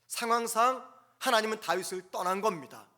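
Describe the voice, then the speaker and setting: A male pastor preaching a sermon at a dawn prayer service in a church, earnest and emphatic, with pauses between short phrases. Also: sits high, sharp tone.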